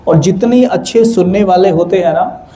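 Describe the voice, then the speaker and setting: Young male spiritual speaker, high warm voice, animated, keeps asking the audience to call back. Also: normal speed. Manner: lively, asks the audience to answer aloud. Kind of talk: spiritual talk to a live audience.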